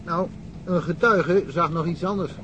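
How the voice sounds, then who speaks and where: An actor playing a chatty rural police chief in a radio play, rambling through anecdotes. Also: male voice, high voice, unhurried, a bit bright, highs cut off. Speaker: village policeman. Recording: old radio play with faint hiss.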